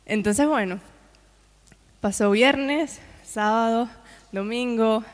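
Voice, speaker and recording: A woman's voice: on the high side, slow. A woman preaching, telling a personal testimony to a congregation in a conversational way with frequent asides. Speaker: guest preacher. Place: church hall. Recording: long hall reverb.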